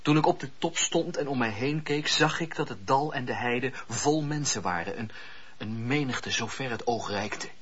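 A man playing a fervent visionary preacher in a Dutch radio play, speaking solemnly and in measured, declamatory phrases with a husky voice. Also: mid-range voice, fairly bright tone. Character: fervent, visionary male preacher of faith and miracles. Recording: dull, muffled old radio-play recording.

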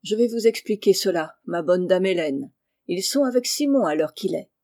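Lectrice faisant un paysan d'âge mûr, franc et bon, ton bas et feutré, lecture de livre audio. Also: female voice, lively intonation, moderate pace, no echo, studio quality. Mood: gruff. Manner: low, hushed and blunt. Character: gruff kindly middle-aged male farmer. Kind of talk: audiobook character reading.

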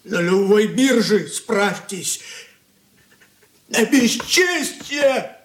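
An actor playing a drunk, boastful middle-aged merchant, slurring and drawn out, in a radio drama. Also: male voice, high voice, expressive, very slow, a bit bright, heavily acted. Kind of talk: 1980s radio drama acting. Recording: echoey studio room.

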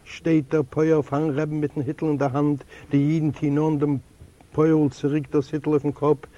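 A man, a native Yiddish speaker from Eastern Europe, narrating a literary audiobook in a measured, deliberate way. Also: a little high, little pitch movement, mellow, highs cut off. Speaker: audiobook reader.

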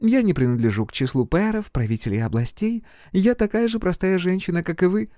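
A male reader voicing a shrewd older dowager duchess, gracious and gently commanding. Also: sits high, expressive, fairly quick, no room sound, clean studio sound, voice pushed up. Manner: warm, grand, gently commanding.

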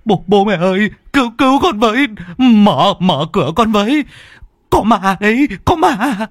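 A man voicing a panicky young man who stammers and wails in a high, breathless voice in a ghost story. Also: animated, a little slow, no room sound, studio quality. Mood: terrified. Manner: stammering, shrill wailing.

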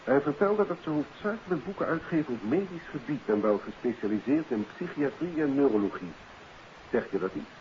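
An actor playing an easygoing, dutiful police inspector reporting to colleagues in a 1950s radio drama. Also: male voice, mid-range voice, lively intonation, fairly quick, natural voice. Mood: businesslike. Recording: muffled 1950s radio recording, faint noise.

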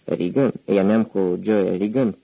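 A man voicing a cold gangster who interrogates with quiet threats, in a deep gravelly voice. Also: dry recording, poor audio. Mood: menacing. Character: menacing middle-aged male gangster, cold interrogator.

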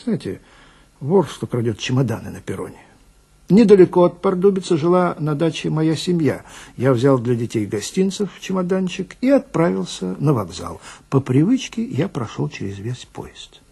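A man's voice: mid-range voice, gravelly, warm tone, slightly rough. A man telling a first-person story dramatically, in a conversational, wry way, as a police detective narrator.

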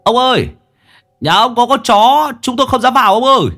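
A man voicing a fat, clumsy, cowardly young man, pleading in a shrill, frantic voice. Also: animated, fairly quick, pushed and bright, soft background music, heavily acted. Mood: scared pleading.

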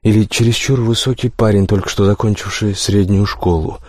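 A confident, teasing teenage schoolgirl in a storybook reading, voiced by a man. The voice stays low and close, recorded dry with no room sound. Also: steady tone, a little fast, a little mellow, no room sound, natural voice.

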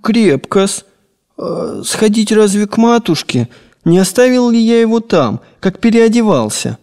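A man's voice: high voice, big pitch swings, a little slow, a little mellow, pitched above the performer's own voice, full character voice. A man voicing a meek, tearful servant boy. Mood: timid. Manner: meek, deferential, stammering. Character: frightened young servant boy, timid and tearful. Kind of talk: audiobook character reading.

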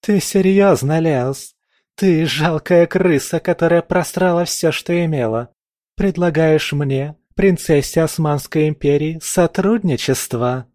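A man's voice: mid-range voice, measured pace, no echo, studio quality, pitched above the performer's own voice, lightly acted. A man voicing a haughty, scornful young princess who mocks and barks orders. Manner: mocking, imperious, shouting.

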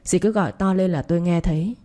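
A woman's voice: on the low side, fast, warm tone, lightly acted. A woman voicing a guilt-ridden young man who speaks curtly and reproachfully to his stepmother. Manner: curt, reproachful.

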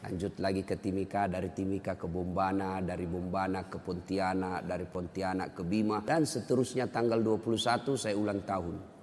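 A man preaching to a congregation as an Islamic preacher, telling funny stories in a lively, animated way. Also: low voice, normal speed, slight background noise. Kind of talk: sermon with comic storytelling. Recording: long hall reverb.

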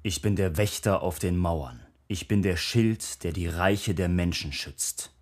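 A man playing a solemn sworn watchman of a dark fantasy order, reciting an oath slowly and with weight. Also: low-pitched. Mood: solemn, resolute.

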